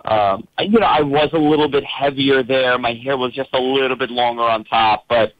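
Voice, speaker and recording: A man's voice: medium pitch, steady tone, normal speed, no room sound. A man calling in to a talk show, describing things at length in a rambling, hesitant way with many fillers. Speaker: caller. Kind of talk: casual phone-in chat. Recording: dull lo-fi call line.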